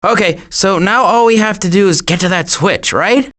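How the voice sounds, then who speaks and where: A man voicing a cautious, anxious adult male turtle in an animated video game, fretful and wry with deadpan sarcasm and stammers. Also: high-pitched, moderate pace. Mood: fretful, sarcastic.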